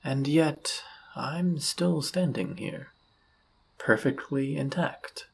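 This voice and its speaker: A man playing a suave, seductive demon in a flirty audio roleplay, husky and gravelly, with a teasing, theatrical, often murmured delivery. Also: mid-range voice, slow, full character voice. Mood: mocking, impressed. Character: suave seductive male demon, smug and dangerous.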